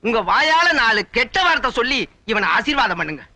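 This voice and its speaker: A man's voice: very high-pitched, very animated, a little fast, bright, forceful tone, no room sound, exaggerated voice. A man playing a gullible village poultry keeper in an older film, praising a holy man with earnest, fawning devotion. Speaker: devout villager and father. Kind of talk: 1980s film comedy acting.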